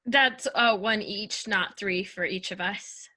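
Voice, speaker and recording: Woman as a sharp, opinionated bar-side actress. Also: medium pitch, takes it slowly. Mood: matter-of-fact, boastful. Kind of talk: comedy sketch reading, casual anecdotes.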